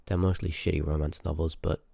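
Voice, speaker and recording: A man's voice: extremely low pitch, little pitch movement, a little fast, vocal fry, dark tone, no echo, full character voice. A man voicing a rude, sarcastic, reluctant sorcerer of a haunted house in a scripted ASMR roleplay, grumbling and dismissive, close on the microphone. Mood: grudging, dry.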